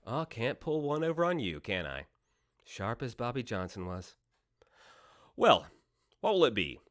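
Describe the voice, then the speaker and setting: Radio play tempter, played by a man: smooth-talking, sly devil type, mid-pitched with very animated intonation, sardonic and mock-folksy. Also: unhurried. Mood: smug. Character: sly, theatrical male devil-like deal maker, smooth tempter.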